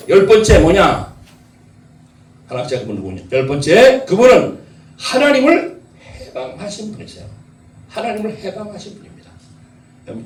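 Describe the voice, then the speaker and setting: A man delivers an emphatic sermon, repeating key phrases and asking his listeners questions. His voice sits a little high and swings widely in pitch. The recording is roomy and echoey, with the mic some distance away. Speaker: pastor.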